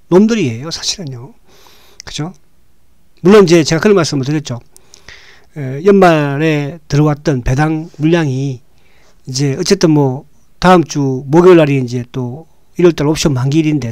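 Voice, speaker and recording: A hoarse man hosting a stock market show, talking casually and often checking in with "right?". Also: a little high, darkish tone, no room sound, studio quality. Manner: talks with frequent "right?" tag questions, halting restarts.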